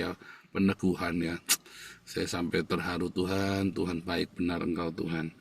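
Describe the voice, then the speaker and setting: Man, pastor, sermon, gravelly voice, dry room, a bit off-mic. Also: low voice, dry recording, far from the mic. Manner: emphatic preaching, swinging from loud scolding to soft hushed tones.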